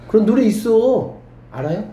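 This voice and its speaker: A man teaching a math class to students, lively and often checking whether they follow. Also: sits high, normal speed. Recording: echoey room with faint background hum.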